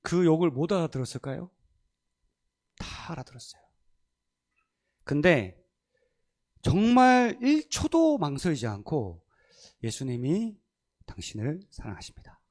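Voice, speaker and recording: This pastor's voice sits a little high, and he keeps a measured pace with long pauses as he preaches in the sanctuary. Telling stories, he acts out the quoted voices with animation and laughs often.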